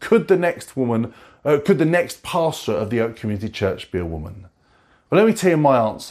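Using vocal fry, a man speaks at a medium pitch and a fairly quick pace with very wide pitch swings. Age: 40s. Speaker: pastor. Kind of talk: sermon.

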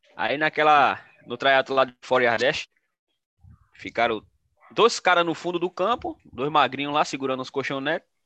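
The tone is bright and sharp, delivered at a moderate pace with long, frequent pauses. The sound is dry and close, with no echo. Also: man, fairly high pitch for a man, ordinary pitch variation. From Rio Grande do Norte, Brazil (near Natal). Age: 30s. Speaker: American football player. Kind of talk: casual chat.

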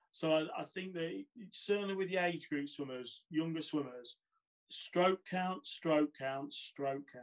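A man with an East Midlands accent speaks at a fairly high pitch with ordinary pitch variation, recorded dry and close with no echo. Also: fairly slow pace. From Lincolnshire, England. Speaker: swimming club director and coach. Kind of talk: interview.

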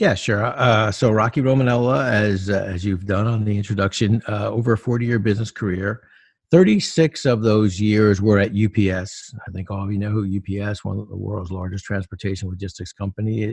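Fairly quick and somewhat breathy, a man with an American accent talks at a fairly low pitch with fairly even intonation against a quiet background. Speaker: author and former executive. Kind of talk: casual interview chat.

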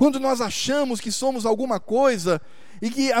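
This is a man speaking. His pitch is extremely high. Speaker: pastor. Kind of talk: sermon, expository preaching. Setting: church, live service. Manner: earnest, didactic, addressing the congregation as brothers; solemn and formal when reading scripture or praying.

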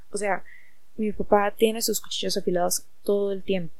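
A woman's voice at medium pitch and moderate pace, with audible room echo. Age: 20s. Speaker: podcast host. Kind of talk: personal testimony monologue.

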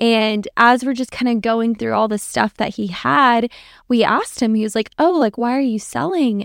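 In a plain, everyday voice, a woman speaks at a fairly high pitch with fairly even intonation, the sound dry and close with no echo. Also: very clean recording, silent background. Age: 20s. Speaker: podcast co-host. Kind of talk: casual faith-based chat.

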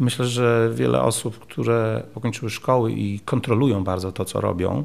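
Speaking at a fairly quick pace, a man with a fairly low pitch uses very wide pitch swings and vocal fry. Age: 50s. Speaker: musician. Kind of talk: interview.

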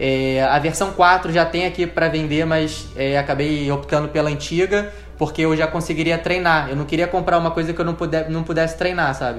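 A man talks at a fairly quick pace and fairly high pitch, with hardly any pauses and monotone, flat intonation. Audible room echo and noticeable background noise surround his voice. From Rio de Janeiro, Brazil. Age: 30s. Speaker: amateur trail runner. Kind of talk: casual interview.

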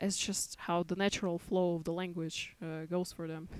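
The voice comes with a Russian accent in a dry, close sound with no echo. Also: woman. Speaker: English teacher. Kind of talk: casual chat.

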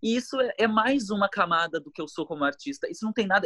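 A man races along at a very fast pace with lively intonation, the sound dry and close with no echo. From southern Brazil, Porto Alegre. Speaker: singer-songwriter. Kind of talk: casual chat. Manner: animated.

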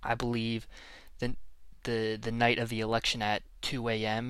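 A man's medium-pitched voice with a bright, sharp tone. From Canada. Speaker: podcast host. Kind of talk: casual solo monologue. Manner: halting, with repetitions and fillers.

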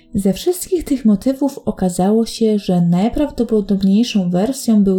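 A woman speaks at a fairly slow pace in a fairly high pitch. Her pitch moves in an ordinary way, with music playing in the background. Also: hardly any pauses, very even loudness. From Poland, Łódź. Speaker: true crime podcaster. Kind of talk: storytelling narration.

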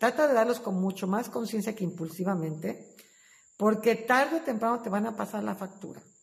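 Her voice carries some breathiness. The woman's pitch is fairly high. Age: 50s. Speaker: spiritual podcast host. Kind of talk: spiritual self-help monologue.

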